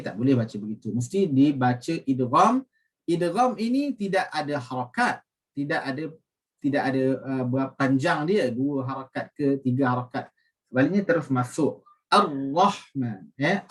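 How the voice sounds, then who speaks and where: A Malaysian man teaching Quran recitation rules, explaining with many fillers and reciting the words slowly and carefully. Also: mid-range voice, animated, far from the mic. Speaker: religious teacher.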